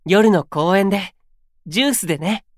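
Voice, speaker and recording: A man acts out a sweet, earnest young male idol in a Japanese voice drama. He speaks softly and politely in a light, boyish voice, recorded dry and close. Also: sits high, moderate pace, dry recording, close to an everyday voice. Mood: fond. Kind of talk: Japanese anime-style voice drama acting.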